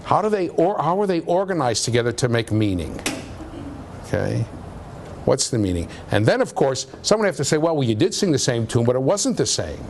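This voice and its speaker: Lively low-voiced male lecturer. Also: fairly quick, slight background noise. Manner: conversational, checks understanding with frequent "okay?". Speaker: university lecturer. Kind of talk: classroom lecture. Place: lecture room.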